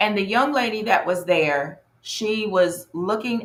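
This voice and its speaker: A woman's loud, animated voice at a medium pitch and a fairly slow pace. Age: 40s. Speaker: business coach. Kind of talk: workshop talk.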